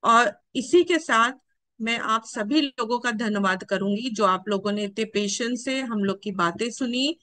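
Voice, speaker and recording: A woman's voice: fairly high pitch, a little slow, sharp tone, no echo. A woman earnestly instructing teachers and childcare workers in a formal training address. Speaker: education official addressing teachers.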